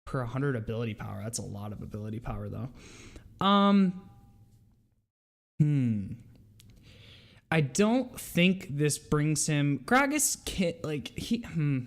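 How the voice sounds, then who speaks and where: A man's voice: a little high, very animated, takes it slowly, gravelly, pauses often. A man with a congested, stuffy voice from a cold, talking informally and a little hesitantly as he hosts a casual video game patch commentary. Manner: informal, hesitant, thinking aloud. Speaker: video game channel host.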